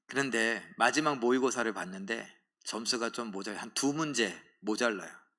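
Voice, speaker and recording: The speech moves at a moderate pace with ordinary pitch variation. Audible room echo can be heard. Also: man, medium pitch for a man. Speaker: pastor. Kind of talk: sermon. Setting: church. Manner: conversational, anecdotal.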